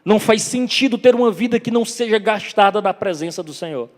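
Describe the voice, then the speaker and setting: A man with a northeastern Brazilian accent preaching a sermon, telling the story dramatically, acting out dialogue and building to loud climaxes. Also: high voice, brisk. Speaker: evangelist preacher. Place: church hall. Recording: long church reverb.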